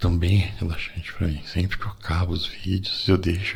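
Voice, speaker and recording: Somewhat breathy and very deep, a man's voice moves at a moderate pace with fairly even intonation. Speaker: ASMR content creator. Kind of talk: casual talk to camera, Q&A answers. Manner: talkative, relaxed, speaking at conversational pace.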